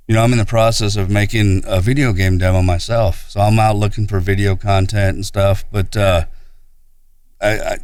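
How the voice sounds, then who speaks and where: A man's voice: on the low side, clean tone, no room sound. A man co-hosting a podcast, chatting casually and informally. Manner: informal, says "man" and "bro". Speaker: podcast co-host. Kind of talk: casual upbeat podcast chat.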